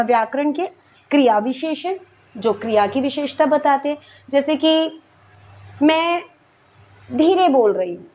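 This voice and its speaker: A woman with a high voice runs a school grammar lesson. She explains patiently, one step at a time, and keeps checking that her students follow. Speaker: Hindi grammar teacher.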